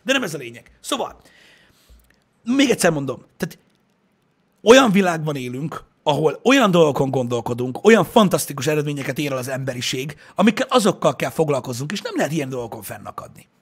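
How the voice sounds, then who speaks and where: A man's voice: a little high, very animated, creaky, husky. A man in a casual chat, talking bluntly and profanely in heated rants.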